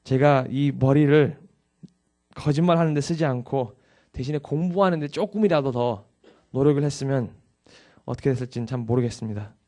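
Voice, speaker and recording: A man's voice: mid-range voice, normal speed, mellow. A young male pastor giving a dawn service sermon, confessing his own past candidly before turning to earnest exhortation.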